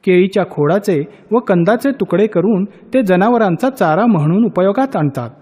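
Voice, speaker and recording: Lively, higher-voiced male documentary narrator. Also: husky, long reverb tail. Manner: measured, even informative delivery. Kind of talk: scripted documentary voice-over.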